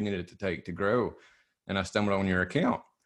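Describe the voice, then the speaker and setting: A man with a Southern US accent, fairly low-pitched, at a fairly quick pace, over a quiet background. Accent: Southern US (Georgia). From US South. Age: 40s. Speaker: podcast host. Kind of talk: casual chat.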